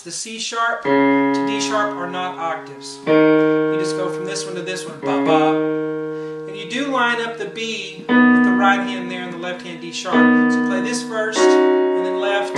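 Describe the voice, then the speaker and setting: A man with a rather high voice giving a casual, relaxed piano lesson at a whiteboard, talking through chords with plenty of fillers. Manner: relaxed, chatty, many fillers, counts beats and hums notes. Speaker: piano teacher. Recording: roomy sound from a distance over loud piano.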